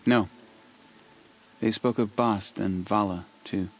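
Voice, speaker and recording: An actor playing a humble, earnest young tribal stitcher in a video game, soft-spoken, sincere and a little hesitant. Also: male voice, lowish voice, fairly even intonation, slow pace. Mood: sincere, subdued. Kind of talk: video game cutscene acting.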